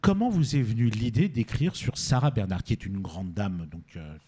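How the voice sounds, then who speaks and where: A man's voice: on the low side, animated, moderate pace, dark tone, slightly rough. A man hosting a radio show in a casual, teasing way, often rambling and correcting himself. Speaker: radio host. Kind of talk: casual, jokey radio presenting.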